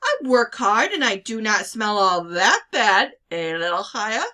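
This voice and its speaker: Woman putting on a hearty, loud, jovial bearded uncle. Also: medium pitch, very animated, measured pace. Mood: boastful, playful. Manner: hearty, boastful, teasing. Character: big, jovial bearded village man, teasing uncle. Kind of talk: children's novel read-aloud.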